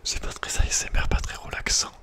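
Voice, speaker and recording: Whispering man, halting ASMR chat. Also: sharp tone. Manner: hesitant, halting, informal. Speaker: ASMR video creator and host.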